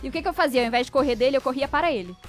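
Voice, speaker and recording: A young woman hosting a casual chat, talking in an animated, jokey and emphatic way. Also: sits high, racing, soft background music. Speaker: host.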